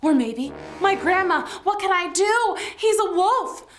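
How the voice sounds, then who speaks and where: A woman's voice: very high voice, expressive, measured pace, fairly bright tone. A woman hosting children's story time, telling tales in a theatrical, exclamatory, playful way. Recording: music bed behind the voice.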